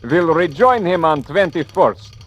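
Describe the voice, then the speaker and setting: An actor in an old-time radio drama slowly reading out a coded telegram with a lilting delivery. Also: male voice, on the high side, expressive, a bit bright. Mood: sing-song. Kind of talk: 1940s radio acting.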